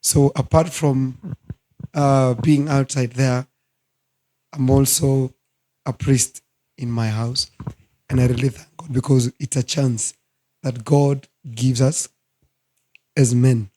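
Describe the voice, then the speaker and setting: A hoarse man in his thirties, a guest minister speaking earnestly in a studio talk show interview. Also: medium pitch, mellow. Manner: slow, earnest, preacherly.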